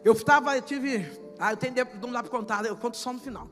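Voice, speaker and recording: A woman pastor with a Brazilian Portuguese accent gives an emotional testimony sermon, moving from quiet storytelling to shouted, half-sung preaching. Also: on the high side, fast. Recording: echoey hall with long reverb and loud music behind.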